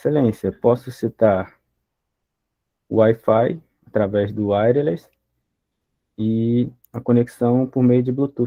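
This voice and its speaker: With a dark, mellow tone and fairly even intonation, a man speaks at a very slow pace with long, frequent pauses, in a dry, close sound with no echo. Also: medium pitch for a man. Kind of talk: formal, exam answer.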